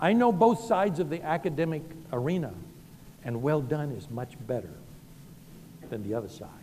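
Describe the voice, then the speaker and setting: A man with an American accent talks fairly quickly in a dark, mellow tone with vocal fry, very wide pitch swings and big swings in loudness, leaving long, frequent pauses. Audible room echo surrounds his voice. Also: fairly high pitch for a man. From US South. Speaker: pastor. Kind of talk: sermon.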